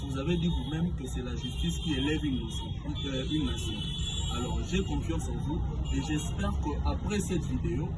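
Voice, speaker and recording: A Congolese man with a somewhat high voice speaks in an urgent, aggrieved rush, pleading his case to the authorities. He is outdoors by a busy road, and loud traffic roars behind him. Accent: Congolese French. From Congo-Kinshasa. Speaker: trader. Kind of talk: filmed personal testimony and appeal. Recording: street recording with loud traffic noise. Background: heavy vehicle traffic.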